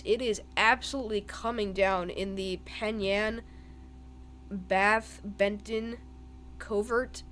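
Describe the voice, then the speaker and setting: A man's voice: sits high, fairly bright tone, slight background noise. A young man giving live weather commentary on a stream, thinking aloud over the radar with plenty of ums and restarts.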